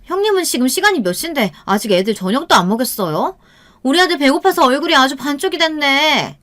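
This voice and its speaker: A woman's voice: high-pitched, moderate pace, fairly bright tone, pitched above the performer's own voice. A woman voicing a haughty, scornful younger sister-in-law who scolds sarcastically in an audio storybook. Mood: brazen complaining.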